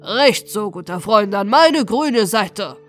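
A woman voicing a boisterous, commanding male robber captain in a storybook reading, hearty and loud. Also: mid-range voice, expressive, takes it slowly, soft background music. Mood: jovial, commanding. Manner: loud, jovial, commanding exclamations. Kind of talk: storybook character voice in an audiobook.

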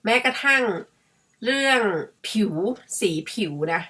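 Middle-aged Thai woman vlogger, bright tone, rambling and conversational. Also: high-pitched, animated, slow. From Thailand. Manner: chatty, musing, refers to herself by her own nickname. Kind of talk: casual chat to camera.

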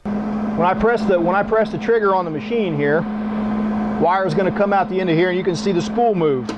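A man's voice: high-pitched, fairly quick, lo-fi sound, heavy background noise. A middle-aged man giving a hands-on welding tutorial in a small workshop, blunt and folksy, working the machine as he talks. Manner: demonstrating at the machine while talking. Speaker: welding instructor.

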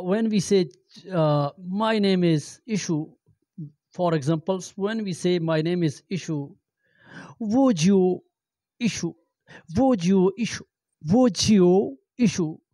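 Slow, halting man with handheld mic. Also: high-pitched, warm tone, no room sound. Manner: halting, repeats phrases, many fillers. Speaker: language teacher. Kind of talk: amateur language lesson. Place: small indoor room with green backdrop. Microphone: handheld microphone.

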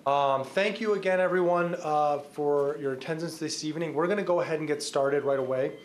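A man's voice: on the high side, brisk. A middle-aged American man formally chairing a council meeting in a procedural manner. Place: council chamber. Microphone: desk microphone. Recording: background noise in meeting room.

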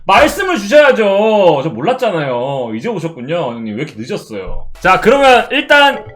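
A young man streaming a mobile baseball game, who swears a lot and shouts at his card upgrades. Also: sits high, huge pitch swings, normal speed. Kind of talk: live game streaming chat.

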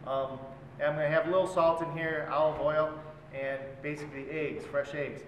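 A man's voice: on the high side, normal speed. A man in his forties, a chef teaching a cooking class and explaining each step as he works. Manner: relaxed, explains while working with his hands. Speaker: chef instructor. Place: large hotel function room, indoors. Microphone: far camera. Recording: echoey hall, voice from far off, loud background noise.

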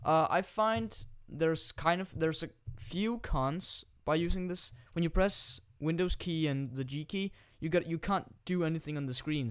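A man's voice: fairly high pitch, smooth, no room sound. A Danish teenage boy putting on a British accent, casually rambling and joking crudely through a gaming tutorial on a new desktop microphone. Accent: put-on British accent. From Denmark. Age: teens. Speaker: gaming YouTuber. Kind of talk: casual screen-recording tutorial commentary.

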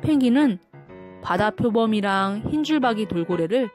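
A woman reading a children's picture book aloud in a gentle, clear manner. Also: mid-range voice, expressive, moderate pace, faint music behind. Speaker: storybook reader.

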